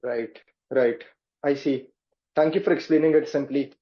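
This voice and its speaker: A man's voice: medium pitch, steady tone, moderate pace. A man with an Indian accent politely and deferentially asking a question as a caller on a conference call. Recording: dull, band-limited phone call.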